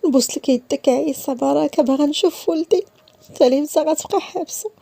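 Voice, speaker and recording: A woman's voice: high-pitched, quick pace, vocal fry, mellow, dry recording, pitched above the performer's own voice. A woman voicing a desperate older mother who begs tearfully for her son, with a Moroccan accent. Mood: pleading. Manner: begging, tearful pleading.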